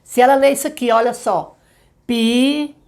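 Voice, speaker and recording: A middle-aged Brazilian woman, a literacy teacher, giving reading tips straight to parents and slowly sounding out sample words. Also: medium pitch. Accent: Brazilian Portuguese. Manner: warm direct advice to mothers, slow syllable-by-syllable demonstrations. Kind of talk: tutorial talking to parents.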